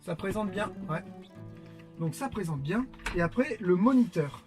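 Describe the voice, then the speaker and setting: A man's voice: high-pitched, lively intonation, measured pace, soft background music. A man from France chatting casually to viewers while unboxing, with lots of fillers. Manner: chatty, many fillers, warm greetings to viewers. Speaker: vlogger.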